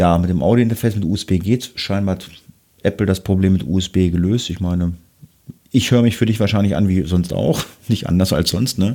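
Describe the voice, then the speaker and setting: In a dark, mellow tone, a man speaks at a moderate pace with a very deep, low pitch and ordinary pitch variation. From Lower Saxony, Germany. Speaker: podcast co-host. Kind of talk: casual chat.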